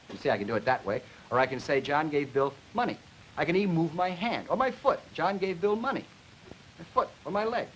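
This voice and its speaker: A man giving an explanatory educational lecture in an emphatic, deliberate, didactic way, as a linguistics lecturer. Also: fairly high pitch, a bit bright. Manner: emphatic, deliberate, didactic, stressing key words. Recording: noisy 1950s educational film soundtrack.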